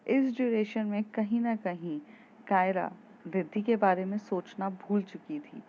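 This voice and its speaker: A woman's voice: medium pitch, a little slow, dark tone, a little hiss or hum. A woman telling a love story in a chatty, casual way, with fillers and repeats, on a dull lo-fi recording.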